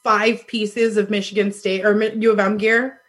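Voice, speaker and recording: A woman in her thirties with a loud voice, telling a dating story in casual chat, animated and laughing often. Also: medium pitch, normal speed, breathy edge. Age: 30s. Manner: animated, laughs often, acts out quoted lines.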